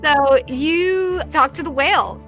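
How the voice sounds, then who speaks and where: A woman with a fairly high voice acts as game master for a tabletop roleplaying game. She narrates the scene casually and descriptively, with music clearly playing underneath. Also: slow pace.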